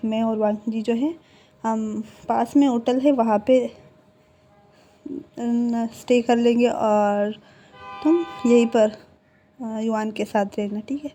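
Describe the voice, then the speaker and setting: A gentle mother coaxes her children in soft, quiet tones, as a woman storyteller voices her. The voice is mellow and a little high, with a hoarse roughness from a sore throat. It sounds like a mother's part read aloud in a fan story. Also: steady tone, slow pace, pauses often, soft background music. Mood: coaxing.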